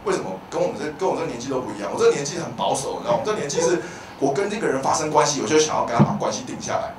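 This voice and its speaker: A man with a Taiwanese Mandarin accent, working a comedy-club crowd, his voice sitting high for a man. He is animated, breaking into loud shouted bits. The sound comes from some way off in an echoey room, with the audience clearly audible. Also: racing, recorded from a distance, background noise. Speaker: stand-up comedian. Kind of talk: stand-up comedy set.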